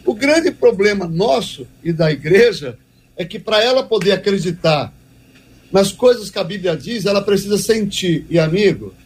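A man with a high, husky voice teaches like a preacher in a devotional talk. He speaks emphatically and circles back to repeat key phrases. The delivery stays earnest and insistent. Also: animated, moderate pace.

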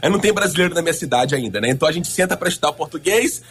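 A man's voice: on the high side, expressive, fairly bright tone, breathy edge, faint music behind. A man in his thirties, a pastor on a radio panel, speaking enthusiastically. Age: 30s. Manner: rapid, enthusiastic.

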